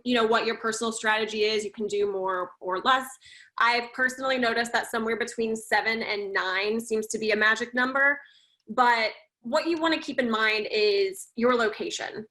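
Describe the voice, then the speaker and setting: Woman from Nashville, higher pitch, crisp advice-giving guest. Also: sharp tone, rough recording. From Nashville, USA. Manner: clear, upbeat advice-giving. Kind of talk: explaining tips in an interview.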